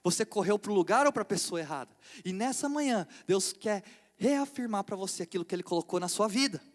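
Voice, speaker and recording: A man's voice: high-pitched, lively intonation, brisk. A man with a Brazilian Portuguese accent, a lead pastor preaching a sermon in a conversational way, often turning rhetorical questions to the congregation. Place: theater hall. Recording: long reverb of a theater hall.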